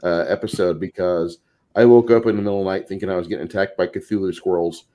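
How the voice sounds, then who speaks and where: A man's voice: low-pitched, steady tone, fast, dark tone. A man chatting casually about tabletop games, blunt and profane, with a vivid way of describing things. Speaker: panelist on a role-playing show.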